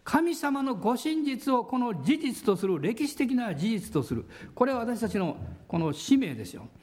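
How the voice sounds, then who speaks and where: A man pastor preaching a sermon in a church, with drawn-out pauses and a voice that sometimes drops to a near whisper. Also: very high-pitched, sing-song, a little mellow.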